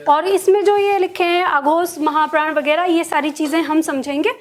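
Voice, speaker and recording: A woman's voice: very high voice, steady tone, normal speed. An Indian woman teaching a lesson in a patient, step-by-step way, often checking that her students follow. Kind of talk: classroom lesson.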